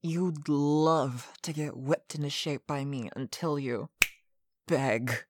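A woman delivers a scripted, hypnotic monologue in the role of a domineering mistress, at once sweet and stern. She speaks with commanding deliberation, occasionally dropping to a breathy whisper, and her low voice has a slightly mellow character.

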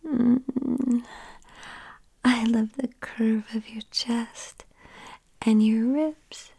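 A woman whispering softly and tenderly into a close mic in an intimate ASMR roleplay. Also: on the high side, steady tone, drawn-out words, creaky, husky. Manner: tender, soothing.

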